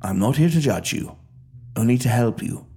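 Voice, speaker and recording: A gracious old gentleman of the afterlife, as a storyteller puts him on, with a soft, husky voice that rises and falls in lively swoops. He speaks courteously and gently, in an audio story with faint music underneath. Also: medium pitch, normal speed. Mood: reassuring. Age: older.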